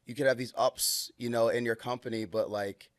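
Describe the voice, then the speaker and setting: Male podcast host, mid-pitched, encouraging, chatty, dry close recording. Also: steady tone, normal speed, dry recording. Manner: affirming, chatty, lots of fillers and backchannels. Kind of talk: casual interview chat.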